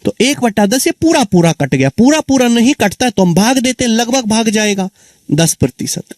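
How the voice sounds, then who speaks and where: A man's voice: extremely high pitch, sing-song, moderate pace, darkish tone, dry recording. A man teaching an exam-prep maths lesson, who keeps repeating answers and asking his students questions. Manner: calls students children and friends.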